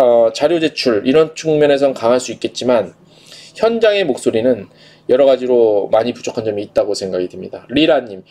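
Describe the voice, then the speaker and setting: A man's voice: medium pitch, mellow. A man, hosting a live stream as a journalist, giving opinions casually, answering viewer comments and posing questions to himself. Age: 40s. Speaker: live-stream host, travel industry journalist.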